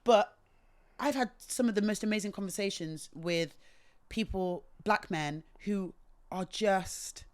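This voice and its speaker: A woman from England with a British accent, speaking as a guest in a casual conversation and telling her stories in an articulate, expressive way. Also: mid-range voice, a little slow. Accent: British English. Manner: articulate, expressive, animated storytelling.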